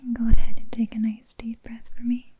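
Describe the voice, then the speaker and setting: A woman playing a gentle, reassuring doctor in an ASMR exam roleplay, speaking slowly in a breathy whisper. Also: on the high side, completely flat delivery. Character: gentle, soothing female doctor examining a patient.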